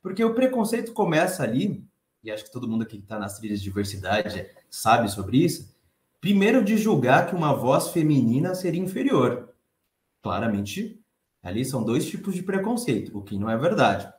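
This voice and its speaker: Soft-voiced Brazilian man giving a talk. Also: medium pitch, moderate pace, reverberant. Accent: Brazilian Portuguese. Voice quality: soft, light voice. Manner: conversational, expressive, reads the chat aloud. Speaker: conference speaker. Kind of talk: conference talk.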